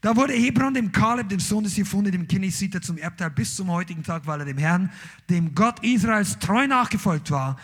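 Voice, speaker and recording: Male pastor, emphatic sermon delivery, lively swooping pitch, husky edge. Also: moderate pace. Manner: emphatic, exclaiming preaching.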